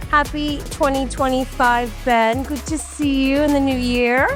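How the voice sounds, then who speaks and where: A woman's voice: sits high, steady tone, unhurried, fairly bright tone, in a large hall, soft background music. Chatty woman host with a head cold. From Washington DC area, US. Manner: chatty, laughs often, rambling asides. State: slightly nasal from a cold. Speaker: podcast co-host. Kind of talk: casual chat.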